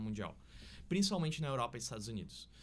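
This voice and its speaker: A man is speaking. The room echo is audible. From southern Brazil, Rio Grande do Sul (Novo Hamburgo). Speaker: futures researcher and professor. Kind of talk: podcast interview.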